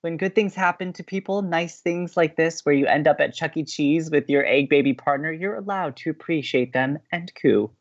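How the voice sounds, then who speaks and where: A woman acting as a sweet, earnest, sentimental college radio co-host in an audio drama, with expressive delivery. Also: deep voice, normal speed, few pauses, highs cut off. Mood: delighted, cooing. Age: young adult. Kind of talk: naturalistic audio drama banter.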